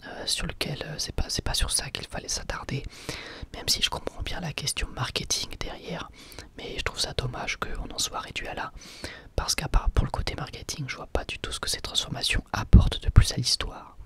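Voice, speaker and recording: A man hosting an ASMR channel, answering viewer questions in a soft, hesitant whisper with frequent pauses. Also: on the high side, wildly swooping pitch.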